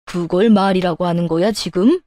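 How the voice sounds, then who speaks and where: A woman's voice: fairly low pitch, normal speed, dark tone, no echo, studio quality, natural voice. A woman voicing a stern older man, a father-in-law who scolds his wife with indignation in a scripted story. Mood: furious.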